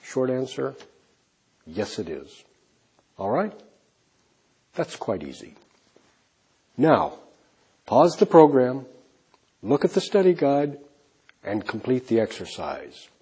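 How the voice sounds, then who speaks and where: Slow, soft-spoken male English teacher. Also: mid-range voice, sing-song. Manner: modelling example answers clearly, trailing off softly. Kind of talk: slow, deliberate classroom instruction.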